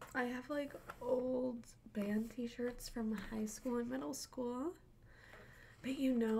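A woman's high pitch with ordinary variation, over light background noise. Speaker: ASMR artist; ASMR creator in girlfriend roleplay. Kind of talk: ASMR girlfriend roleplay. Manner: whispered, soothing. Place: home room.

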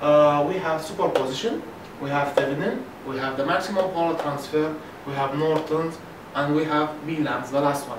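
A fairly high-voiced man, room reverberation and clear background noise around him. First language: Arabic. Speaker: electrical engineering student. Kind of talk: lecture intro to camera. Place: home room. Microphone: camera far.

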